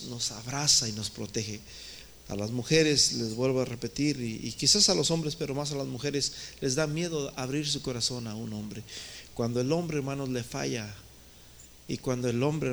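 A man's voice: medium pitch, vocal fry, fairly bright tone, slight background noise. A man preaching a sermon as pastor, calling his listeners brothers and swinging his voice up and down for emphasis. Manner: addresses listeners as brothers, rising and falling emphasis. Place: church in the United States.

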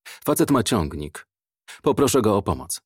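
A man's voice: lowish voice, big pitch swings, normal speed, slightly rough, dry recording, studio quality. A man voicing a cursing, hot-tempered taxi driver. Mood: muttering. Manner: cursing, frustrated outbursts. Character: short-tempered man driving a taxi, stuck in mud.

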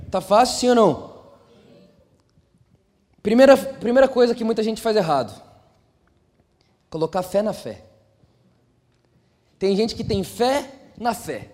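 Young guy preaching, pretty high voice, lively, keeps asking the crowd stuff. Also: in a large hall. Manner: animated, acts out quoted voices, asks the crowd questions. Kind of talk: sermon.

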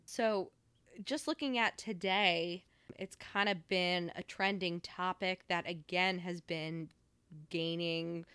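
A young woman with a slightly low voice chats casually as a podcast co-host. She talks loosely and leans on fillers as she goes. The sound is close and dry, with no room in it. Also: fairly even intonation, takes it slowly, fairly bright tone, clear, resonant tone, no echo. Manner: chatty, many fillers like "like" and "you know". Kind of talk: casual chat.

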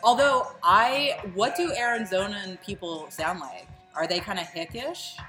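A woman's voice: medium pitch, unhurried, over music. A woman with a Delco accent from the Philadelphia suburbs, chatting casually and irreverently as a podcast host. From Delaware County, Pennsylvania. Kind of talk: casual chat.

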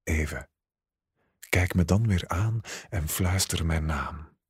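A man reading an erotic story aloud in a hushed, measured, commanding way, close to the mic. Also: sits low, husky, no echo. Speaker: story reader. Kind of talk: slow intimate erotic reading.

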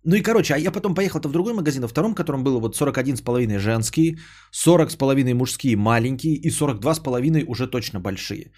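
Man, podcast host, husky voice, mellow tone, rambling, swears a lot, gets worked up. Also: mid-range voice, rapid-fire. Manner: rambling, profane, worked-up ranting. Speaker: podcast host talking to his chat. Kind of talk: casual livestream chat.

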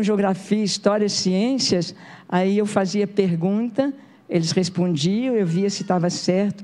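A woman's voice: medium pitch, mellow. A woman pastor giving a sermon as a story, talking to the congregation like a conversation and often asking them questions.

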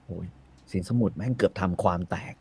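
A man retelling a classic Thai tale in casual, slangy chat, animated and reciting verse now and then. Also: low-pitched, fairly quick, breathy edge. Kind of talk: casual comic retelling with acted quotes.

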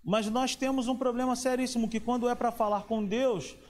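A man's voice: very high voice, steady tone, moderate pace. A man preaching a sermon in a conversational way, often asking the audience questions.

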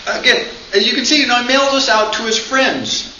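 Male lecturer, high and bright, wisecracking delivery, echoey classroom recording. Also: a little fast, a little hiss or hum. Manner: lively, joking, acts out quotes. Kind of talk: informal lecture. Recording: echoey room, dull lo-fi sound.

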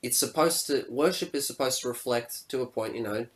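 A young man hosting a casual podcast discussion, upbeat and quick to laugh, often acting out reactions. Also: mid-range voice. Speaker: podcast host.

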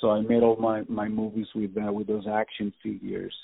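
A man, answering interview questions in a relaxed, halting way. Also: on the low side, gravelly, husky, no echo. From Venezuela. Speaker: film director guest. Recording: tinny dry phone line.

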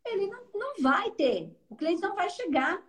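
A woman with a Brazilian accent and an extremely high-pitched voice speaks at normal speed. She is an energy therapist mentoring a student in casual conversation, explaining animatedly and often checking that she's understood.

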